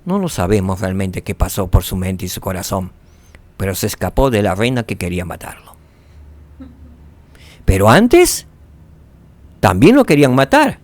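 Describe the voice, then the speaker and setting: A man teaching a scripture lesson, asking rhetorical questions and dropping to soft tones for emphasis. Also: low-pitched, big pitch swings, moderate pace, long pauses, no echo.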